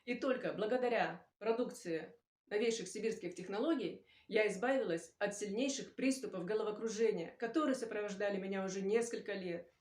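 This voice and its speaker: A woman's voice: mid-range voice, a little fast, a little mellow, a little hiss or hum. Formal woman in her fifties, testimonial recorded in an echoey room. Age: 50s.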